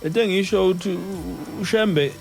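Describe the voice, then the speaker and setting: A man's voice: sits high, fairly quick, creaky, soft background music. A South African man in casual discussion as a talk show panelist.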